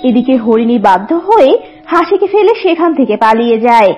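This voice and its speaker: A woman storyteller narrates a children's cartoon. Her voice is high and animated, with soft music underneath. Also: fairly quick, dull audio.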